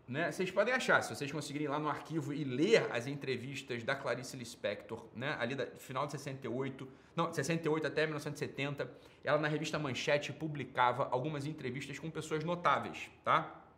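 High-pitched Brazilian man, emphatic talker. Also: fairly bright tone. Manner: opinionated, emphatic, repetitive, slangy and profane. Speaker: host of a commentary program. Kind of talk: informal off-the-cuff cultural commentary.

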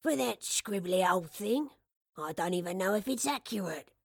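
A woman's voice: mid-range voice, animated, normal speed, vocal fry, husky, no room sound, studio quality. A woman voicing an elderly male map-shop keeper in an audiobook story, kindly and playfully grumbling, with old-fashioned fond turns of phrase. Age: older.

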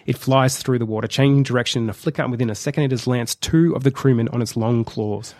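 A male podcast host narrating a comedic film pitch in a vivid, measured storytelling way. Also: a little mellow, no room sound. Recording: dry close sound.

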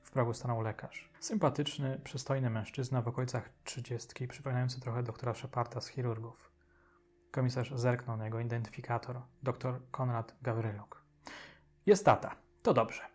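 A man narrating an audiobook in a measured, expressive reading. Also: medium pitch. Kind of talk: scripted narration.

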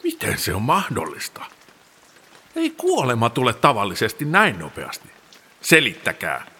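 An actor playing the Roman governor Pilate, questioning and commanding. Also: male voice, mid-range voice, wildly swooping pitch, bright, forceful tone, husky, full character voice. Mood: demanding. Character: Roman governor, man, imperious, demanding.

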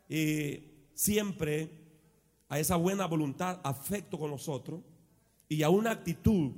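Male pastor, high voice, unhurried delivery, sermon in a reverberant church hall, shouts then drops to asides. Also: gravelly. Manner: shouts and calls the congregation to repeat after him; swings from shouted exclamations to low conversational asides.

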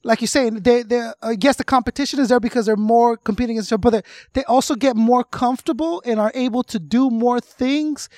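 A man's voice: extremely high pitch, brisk, hardly any pauses, darkish tone, no echo, clean studio sound. A man hosting a casual hip hop interview, asking rambling questions full of "like" and repeated words. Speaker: interviewer host.

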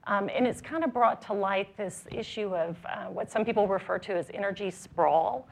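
A woman on a panel, speaking with a scratchy voice in a measured, explanatory way with frequent ums. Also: medium pitch, vocal fry. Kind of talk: panel discussion. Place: conference stage.

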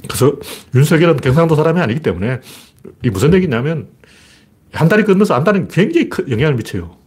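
A man's voice: on the high side, sing-song, fast talker, darkish tone, breathy edge. A man hosting a political talk show, telling stories in a blunt, rambling way. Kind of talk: casual political monologue.

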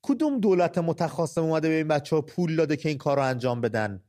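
A man's voice: a little high, animated, mellow. A man hosting a live call-in podcast, talking earnestly and asking pointed rhetorical questions. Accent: Persian. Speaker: podcast host.

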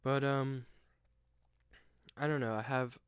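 A young man hosting a solo podcast, rambling and self-deprecating with lots of fillers and restarts, with a deep voice. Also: fairly even intonation, slow, clean tone, no room sound, clean studio sound. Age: young adult. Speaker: podcast host. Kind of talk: casual solo monologue. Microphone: desk microphone at home.

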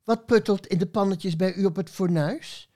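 A man's voice: high-pitched, moderate pace, warm tone, pitched above the performer's own voice. A man in his sixties voicing a cheerful female sheep in a rhyming poem. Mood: inquisitive. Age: 60s. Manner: sing-song rhyming recital.

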